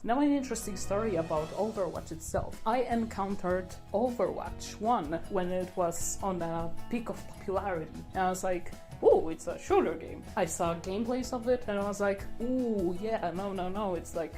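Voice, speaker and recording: Young woman chatting over music. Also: medium pitch. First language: Polish. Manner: chatty, rambling, with fillers. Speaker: artist. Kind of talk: casual voice-over commentary. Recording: voice-over with loud background music.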